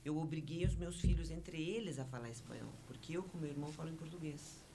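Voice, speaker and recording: Woman with native Spanish, noisy recording. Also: sits low. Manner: explanatory, measured. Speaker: interview guest, honorary consul. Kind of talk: radio interview conversation.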